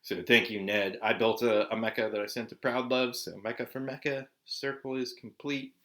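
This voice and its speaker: A man's voice: mid-range voice, flat delivery, normal speed, fairly bright tone. A man in his forties from Southern California, chatting casually to camera as a vlog host, laid-back and swearing often with lots of "like" and "dude". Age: 40s.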